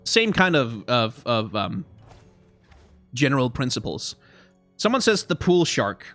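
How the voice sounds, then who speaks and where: A young man streaming from home, chatty and rambling, his voice going slightly hoarse after hours of talking. His pitch sits in a middle range, and faint music plays behind him. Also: sing-song, measured pace, a bit bright. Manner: chatty, rambling, reacts to chat. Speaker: streamer reviewing card art. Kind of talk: casual live stream commentary.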